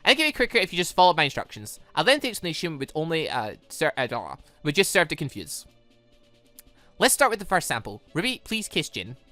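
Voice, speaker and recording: A woman's voice: sits low, huge pitch swings, fast, pushed and bright, no echo, soft background music, full character voice. A woman voicing an earnest, formal young android girl from a visual novel, with precise, methodical wording. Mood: businesslike.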